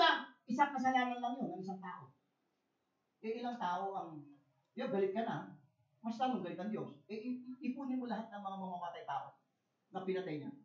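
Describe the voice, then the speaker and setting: A Filipino man preaching a bilingual sermon as pastor, shifting from soft, low asides to loud, emphatic lines, often stammering and repeating words. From Philippines. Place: church conference hall. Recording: roomy, dull church recording.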